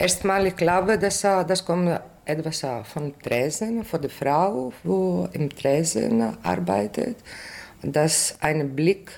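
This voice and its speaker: A woman with a Greek accent, very deep and low in pitch, with vocal fry, a dark, mellow tone, very wide pitch swings and a very slow pace, on a very clean recording with a silent background. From Greece. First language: Greek (speaking German). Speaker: bar collective worker. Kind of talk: interview. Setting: café. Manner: halting.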